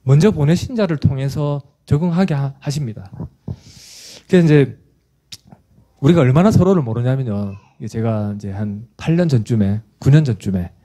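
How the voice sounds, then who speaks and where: Mellow-voiced, animated preacher. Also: male voice, medium pitch, moderate pace. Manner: animated storyteller, acts out scenes, frequent restarts. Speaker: pastor. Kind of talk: sermon with storytelling.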